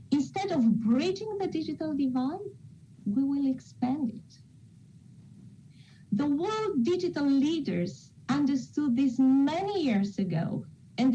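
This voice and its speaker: Woman, Romanian accent, very soft dark timbre, formal conference presenter, deliberate rhetorical delivery, dull lo-fi audio. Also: a little high, a little hiss or hum. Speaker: conference presenter from an international organization.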